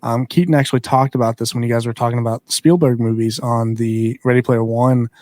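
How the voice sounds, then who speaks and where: A man's voice: medium pitch, fairly even intonation, brisk, a little mellow, no room sound. A man co-hosting a casual book club podcast, rambling and enthusiastic as he answers. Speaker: podcast co-host.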